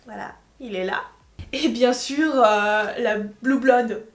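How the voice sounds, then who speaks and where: A slangy, animated woman chats through a makeup review, laughing often. Her voice sits fairly high and rings in a room with clear echo. She talks straight to her camera from home. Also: slow pace. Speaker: beauty vlogger. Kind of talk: casual makeup review chat.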